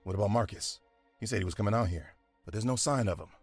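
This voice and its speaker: A man's voice: on the low side, fast talker, darkish tone, slightly rough, no room sound, soft background music. An actor playing an observant, curious male detective partner.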